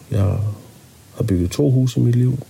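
There is noticeable background noise behind this man. He speaks at a moderate pace with ordinary pitch variation. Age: 40s. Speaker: podcaster and bricklayer. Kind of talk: casual solo monologue. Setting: home recording, poor microphone.

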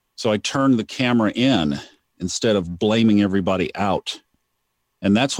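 A man with an Oklahoma accent speaks at a fairly quick pace in a fairly low pitch, with ordinary pitch variation and very even loudness, in a dry, close recording with no echo that is very clean against a silent background. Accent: Southern US, Oklahoma. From Tulsa, Oklahoma, US South. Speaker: podcaster, astrology and subconscious mind teacher. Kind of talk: casual interview, storytelling. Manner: friendly, chatty.

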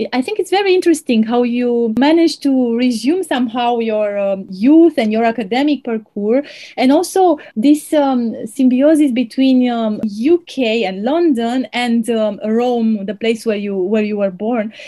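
A woman with an Romanian accent speaks at a fairly slow pace in a dark, mellow tone. Her voice is high-pitched, with lively intonation. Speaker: podcast interviewer. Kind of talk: interview. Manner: halting.

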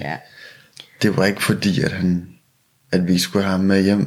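The man's pace is moderate. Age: 30s. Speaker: bereaved parent. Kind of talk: testimony.

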